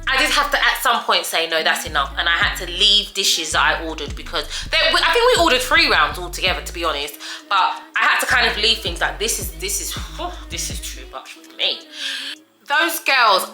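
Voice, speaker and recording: A woman's voice: on the high side, sharp tone, echoey room. A woman vlogging a restaurant review, telling a story in a chatty, dramatic way and calling her viewers guys and darling. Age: older than her friends, adult. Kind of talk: casual storytelling to camera.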